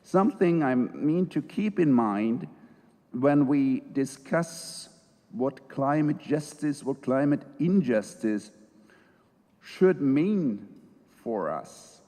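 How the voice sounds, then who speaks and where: A middle-aged man lectures at a conference, choosing his words slowly with frequent ums and uhs. His voice has an ordinary pitch and fills a large room with a long echo. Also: expressive, warm tone. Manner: slow, thoughtful, hesitant with fillers. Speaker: conference speaker, judge. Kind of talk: academic conference talk. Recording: reverberant lecture hall.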